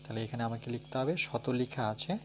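A man's voice: medium pitch, slight background noise. Bengali man teaching a math lesson. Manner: talks through steps, asking and answering his own questions; counts slowly aloud and spells words letter by letter.

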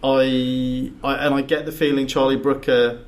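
A man's voice: medium pitch, level tone, moderate pace. A man co-hosting a casual podcast chat, rambling with frequent restarts and repeated words, sitting back from the microphone in a makeshift studio. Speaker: podcast co-host. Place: big echoey box used as studio. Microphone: sitting back from the table and mic.

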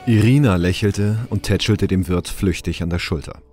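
A man's voice: sits low, moderate pace, warm tone, faint music behind. A man giving scripted narration for an audio drama.

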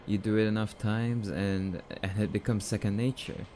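A man's voice: on the low side, fairly even intonation, moderate pace, warm tone, faint music behind, lightly acted. A young man playing a jumpy, bashful catboy boyfriend in an ASMR roleplay, stammering and hesitant, bratty but sweet. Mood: soft, tender.

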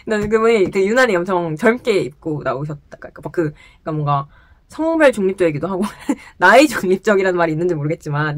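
A young woman telling a personal story to the camera in casual chat, animated and laughing often, in a small indoor room. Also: fairly low pitch, no room sound. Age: young adult. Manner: animated, laughs often, gestures while talking. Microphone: camera close in front, sitting.

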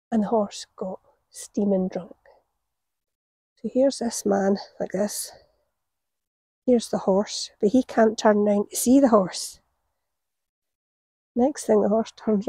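Woman, forties, mellow husky voice, dry outdoor sound, chatty storyteller. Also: mid-range voice, dry recording, rough recording. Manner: chatty storytelling, laughs at her own tales. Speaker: gardening vlogger. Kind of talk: casual chat to camera while gardening. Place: outdoor allotment garden. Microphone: camera on the ground a few metres away.

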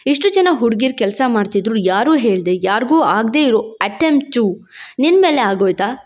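A woman's voice: mid-range voice, moderate pace, darkish tone, lo-fi sound, voice pushed down, lightly acted. A woman voicing an arrogant young husband who talks in a sarcastic, cutting way. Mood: sneering.

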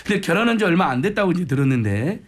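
A man's voice: high-pitched, very animated, rapid-fire. A middle-aged man co-hosting a radio interview in a conversational way, explaining and restating points. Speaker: radio co-host. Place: small radio studio, indoors. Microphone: studio microphone on stand.

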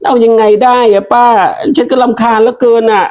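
A fed-up young village wife, played by a woman, who rattles off complaints in a whiny, chatty voice. She softens her sentences with sweet, coaxing endings. It is a broad comedy-sketch character. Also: on the high side, steady tone, a little fast, natural voice. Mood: complaining.

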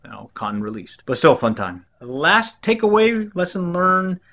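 A man's voice: sits high, very animated, moderate pace, sharp tone. A middle-aged man with an American accent, hosting a fishing video in a casual, easygoing, conversational way from a home office. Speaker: host of a fishing video channel. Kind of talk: casual recap of fishing tips to camera. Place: small indoor home office.

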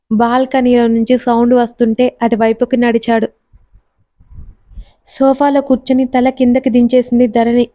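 A woman narrating a story in an even, measured reading. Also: on the high side.

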